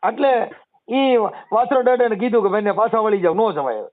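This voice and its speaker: A man's voice: high voice, expressive. Man explaining over a phone line. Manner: explains folk verses and history, chanting couplets slowly. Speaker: social media personality taking calls. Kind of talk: phone call discussion. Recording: tinny phone call recording.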